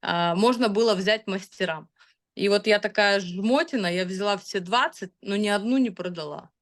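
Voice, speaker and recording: This is a woman in her thirties sharing her personal experience in a relaxed, chatty way. She hesitates often and fills gaps with small sounds. Her voice sits at an ordinary middle pitch for a woman. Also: moderate pace. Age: 30s. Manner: chatty, hesitant, with many fillers. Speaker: customer sharing product results. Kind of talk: casual testimonial talk.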